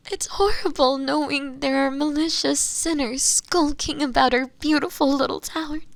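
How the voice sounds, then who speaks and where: An imprisoned witch as a woman acts her out in a fantasy audio roleplay, speaking in a hushed, breathy voice with a gravelly creak. She draws her words out slowly and deliberately at a medium pitch. Her pleading innocence carries a sly, seductive undertone. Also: no room sound, full character voice. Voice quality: breathy, whispery. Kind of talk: dramatic roleplay audio acting.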